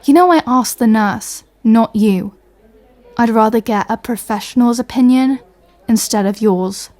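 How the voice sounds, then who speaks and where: Woman playing an exasperated superhero, higher mellow voice. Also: unhurried, dry recording, close to an everyday voice. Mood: sardonic. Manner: dry, irritated, sarcastic. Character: exasperated, sardonic superhero woman, fed up with her nemesis. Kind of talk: comedy audio roleplay acting.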